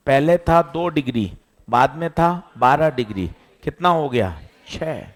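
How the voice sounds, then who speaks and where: Male physics teacher, energetic lecture delivery, asks then answers. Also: a little high. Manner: lively, quizzing students and answering himself. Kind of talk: classroom lecture.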